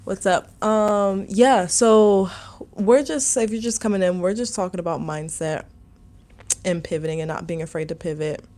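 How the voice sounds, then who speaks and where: A woman's voice: mid-range voice, steady tone, normal speed, darkish tone. A young woman from Maryland hosting a casual livestream as a meditation teacher, rambling through viewer comments with lots of "like" and "um". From Maryland, USA.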